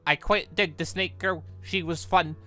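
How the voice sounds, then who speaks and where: A gaming host with a bright, forward voice talks through a playthrough casually. The delivery rambles conversationally, as if thinking out loud, with music playing behind it. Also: mid-range voice, steady tone, a little slow. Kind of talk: casual gameplay commentary.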